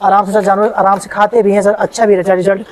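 A man's voice: little pitch movement, fast talker, a crowd in the background. A young Indian man on his dairy farm, eagerly explaining and selling cattle feed and calling his interviewer "sir" again and again, recorded outdoors in a cattle shed on a lapel mic. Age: young adult. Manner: eager, repeatedly says "sir", sales-pitch tone. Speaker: dairy farmer.

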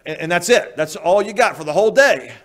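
A man's voice: high voice, animated, a little fast. A male pastor preaching a sermon in a church, folksy and emphatic, firing rhetorical questions at the congregation. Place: church sanctuary.

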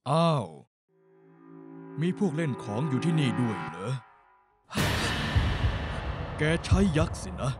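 An actor playing a menacing, mocking villain who taunts in a motion-comic drama. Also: male voice, mid-range voice, big pitch swings, loud music behind the voice. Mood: mocking, threatening. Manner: slow, taunting. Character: menacing, mocking male villain sneering at a youngster.

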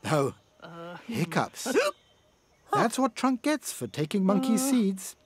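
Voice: mid-range voice, sing-song, slow pace, husky. A narrator telling a children's cartoon story, expressively reacting aloud to the action with exclamations. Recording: music behind the narration. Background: music.

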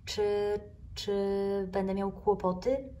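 Brief: timid small snail child, quiet and hesitant, voiced by a woman storyteller. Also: medium pitch, steady tone, a little slow, recorded from a distance, slight background noise, voice pushed up, natural voice. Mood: shy. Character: shy timid little snail boy.

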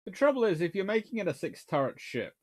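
A man's voice: high-pitched, big pitch swings, fast talker. A man in his thirties, a naval historian answering viewer questions in a casual livestream from a small book-lined room, thinking aloud and restarting sentences as he goes.

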